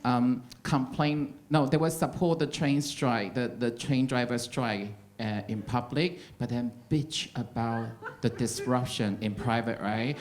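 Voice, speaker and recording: A young gay comedian works a club crowd in English that carries a slight American twang over a non-native base. His delivery is dry and wry, and he chats directly with the audience. His voice sits at an everyday middle pitch. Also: steady tone, a little slow, hardly any pauses. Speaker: stand-up comedian. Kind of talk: stand-up set.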